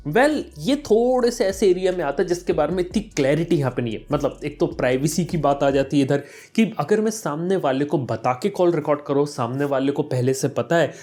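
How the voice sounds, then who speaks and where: A man's voice: fairly high pitch, dark tone. A man explaining things conversationally as a tech vlogger, addressing viewers directly and mixing in English terms. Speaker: tech YouTuber, host. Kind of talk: explainer vlog, conversational commentary.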